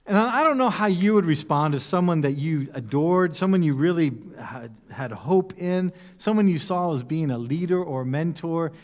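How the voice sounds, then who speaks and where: Man, pastor, conversational sermon, rhetorical questions, high voice, long echoey reverb. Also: lively intonation, moderate pace, hardly any pauses. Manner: asks the listeners rhetorical questions.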